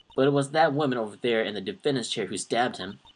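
Faint music plays behind a man speaking at medium pitch and a fairly quick pace. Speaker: let's play video game commentator. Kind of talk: casual video game commentary, reading game dialogue aloud. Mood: playful, joking.

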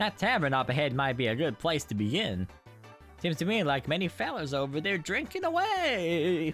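With clear music in the background, a man uses a put-on character voice at fairly high pitch and a moderate pace. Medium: game stream. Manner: drawling, folksy.

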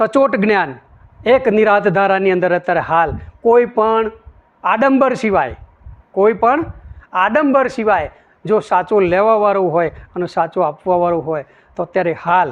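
The man's intonation is lively. His voice is high-pitched. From Gujarat, Gandhinagar district. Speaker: spiritual teacher of a sect. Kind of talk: religious discourse.

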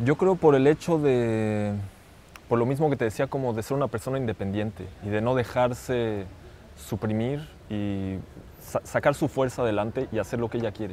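A man at a moderate pace and medium pitch with a Mexican accent and ordinary pitch variation, in a dry sound with no echo and light background noise. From Mexico. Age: young. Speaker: filmmaker. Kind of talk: interview answer. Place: garden. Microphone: lapel.

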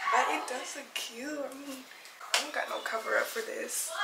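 A woman speaks at a moderate pace against loud background noise. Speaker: fashion vlogger. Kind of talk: casual vlog chat. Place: home room.

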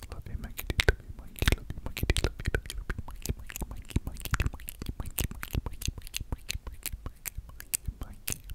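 Whispering at a fairly quick pace. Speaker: ASMR gaming creator. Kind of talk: ASMR gaming commentary. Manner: whispered. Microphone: studio mic.

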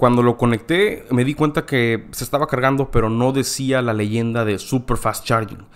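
In a Mexican accent, a man speaks at a medium pitch. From Mexico. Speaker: tech reviewer. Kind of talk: product review. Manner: casual, conversational. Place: home room. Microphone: studio mic.

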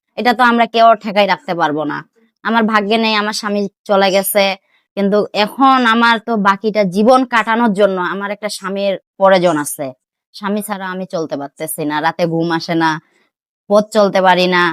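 In a very clean recording with a silent background, a woman's medium-pitched voice has ordinary pitch variation and a dry, close sound with no echo. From Bangladesh, Gaibandha. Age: 20s. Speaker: widowed mother seeking remarriage. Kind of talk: interview testimony. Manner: soft-spoken.

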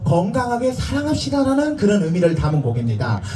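With music in the background, a man talks in a Gyeongsang accent. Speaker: trot singer. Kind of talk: comic stage banter to a live audience. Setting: outdoor live stage.

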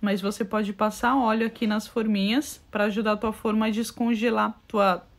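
At a moderate pace, a woman speaks in a fairly high, somewhat breathy voice. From São Paulo, Brazil. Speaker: cooking youtuber. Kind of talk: cooking tutorial. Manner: chatty, informal. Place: kitchen.

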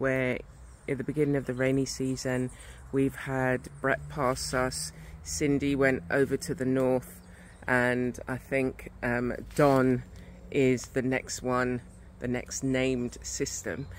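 A very slow pace in a dry sound with no echo, over light background noise. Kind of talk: casual vlog chat. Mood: pleased, enthusiastic. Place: garden. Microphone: phone near.

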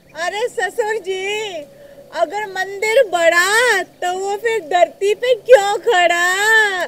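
Speaking very slowly in an extremely high pitch, a woman uses a playful tone with ordinary pitch variation over light background noise. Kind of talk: acted comedy dialogue. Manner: playful drunk voice. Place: waterside.

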